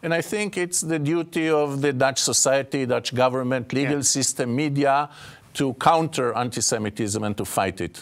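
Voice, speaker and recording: A man speaks with an Israeli accent and ordinary pitch variation against a quiet background. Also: moderate pace. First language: Hebrew. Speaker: ambassador; interview guest. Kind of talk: interview. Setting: studio. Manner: halting, many filler sounds. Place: studio. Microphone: lapel.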